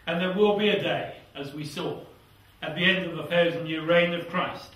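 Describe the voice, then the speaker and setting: An older British man, voice on the high side with fairly even intonation at a normal speed, preaches fervently and reads scripture in a small church hall. He is earnest and lets each phrase fade to a hush. The lapel-mic recording sounds echoey and somewhat distant.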